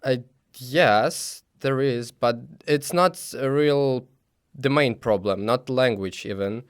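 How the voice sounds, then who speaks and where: A young man from Belarus, a student answering interview questions in halting with many fillers. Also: mid-range voice, clean tone, dry recording, studio quality. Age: young adult. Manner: halting non-native English with many fillers.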